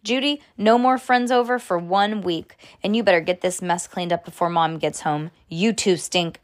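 A woman's voice: fairly low pitch, moderate pace, close to an everyday voice. A woman reading a storybook as an exasperated father, firm and scolding with his children. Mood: stern.

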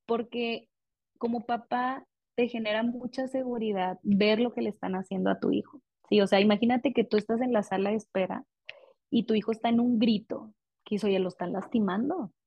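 A woman in her thirties with a Mexican accent, speaking as a pediatric dentist in a relaxed interview. She chats freely and slips into the voices of parents and kids. The sound is dry and a bit dull. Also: on the high side, moderate pace, dry recording. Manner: chatty, animated, acts out parents and children. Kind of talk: casual interview.

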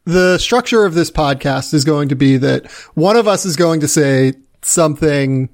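Male podcast host, fairly high voice with heavy fry, talking sports casually. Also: expressive, normal speed.

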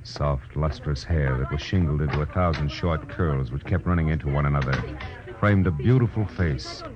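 Deep-voiced hard-boiled American private eye. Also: male voice, moderate pace, crowd noise. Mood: wry, reflective. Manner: world-weary, terse, slangy. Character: hard-boiled male private detective narrating his case. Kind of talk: 1940s American radio noir narration and acting. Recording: dull vintage radio recording with music.

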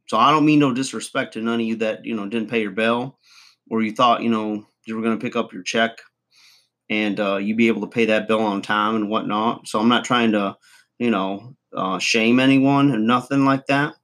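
A man's voice: on the low side, steady tone, moderate pace, a bit bright, natural voice. A man playing a folksy redneck guru. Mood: boastful rambling. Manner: rambling, folksy, chuckling, mangled words. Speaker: comedy channel host. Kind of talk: comic monologue to camera.

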